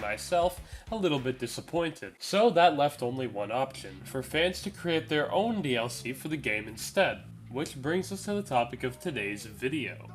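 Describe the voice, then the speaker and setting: Music plays behind a man who speaks at a moderate pace with lively intonation. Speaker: gaming YouTuber and streamer. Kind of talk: gaming video essay narration.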